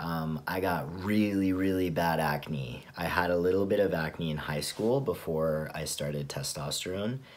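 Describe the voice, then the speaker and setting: Fairly slow speech with hardly any pauses, ordinary pitch variation and audible room echo. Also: man, very deep, low pitch for a man. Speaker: vlogger. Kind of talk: casual vlog talk. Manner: casual with many fillers.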